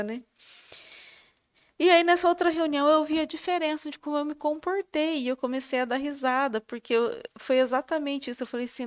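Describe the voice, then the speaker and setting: A woman chatting casually about her faith, laughing at herself and filling pauses with short tags. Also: on the high side, clean tone. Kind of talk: religious reflection, casual sharing.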